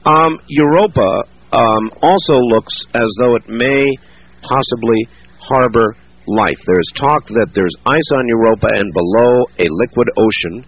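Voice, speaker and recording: A man hosting a call-in radio show, chatting in a relaxed way with frequent fillers. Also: mid-range voice, unhurried. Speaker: radio talk show host. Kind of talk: late-night call-in talk radio. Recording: dull lo-fi radio broadcast.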